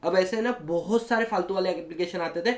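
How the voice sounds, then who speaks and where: A man with an Indian accent teaching law to a class, animated and switching between Hindi and English, often asking students if they follow. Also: sits high, a little fast, echoey room. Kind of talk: classroom lecture.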